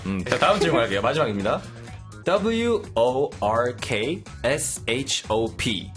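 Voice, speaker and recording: Animated male quiz host. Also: medium pitch, soft background music. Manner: animated, reacts with quick rising questions. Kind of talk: reading quiz questions on a game show.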